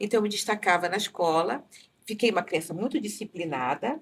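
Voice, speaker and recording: A woman talks at a moderate pace with lively intonation. She has a plain, everyday voice. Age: 60s. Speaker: city councillor. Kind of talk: interview.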